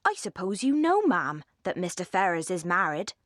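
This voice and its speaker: A man's voice: sits high, big pitch swings, normal speed, fairly bright tone, no room sound, clean studio sound. A woman voicing a deferential, plain-spoken manservant, chatty with his news, in an audiobook. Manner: deferential, dialect turns of phrase.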